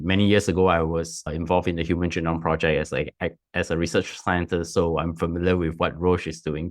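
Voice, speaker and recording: Man, podcast host, very deep voice, formal, scripted questions. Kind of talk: hosting an interview podcast.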